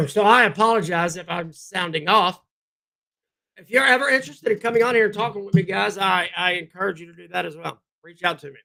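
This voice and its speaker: A man hosts a political livestream in a high, bright voice. He is blunt and combative and talks straight to his viewers, and his voice is going hoarse, with frequent throat clearing. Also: fairly quick, rough recording. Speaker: livestream host.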